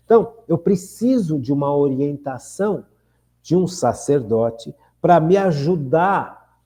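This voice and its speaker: A man's voice: fairly high pitch, mellow. A man in his sixties with a Brazilian Portuguese accent, hosting an earnest, reflective spiritual radio talk and often turning to ask his listeners questions. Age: 60s. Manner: earnest, repeats phrases, asks listeners questions. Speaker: radio host.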